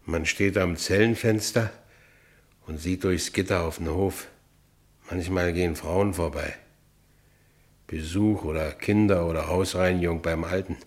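An actor playing a brooding, restless working-class ex-convict with a Berlin accent in a radio play. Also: male voice, low-pitched, steady tone, a little slow, pauses often. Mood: brooding, wistful. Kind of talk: radio play first-person narration.

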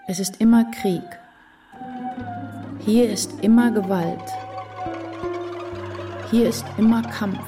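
An actress playing a troubled, introspective woman writer in a literary radio drama monologue, brooding and deliberate. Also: medium pitch. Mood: intense, despairing. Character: troubled, introspective woman writer narrating her inner life. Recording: music behind the voice.

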